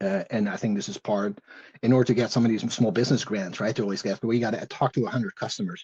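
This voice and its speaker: Very rapid male speech, its pitch varying in an ordinary way. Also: medium pitch for a man. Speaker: engineer and innovation specialist. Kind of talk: interview.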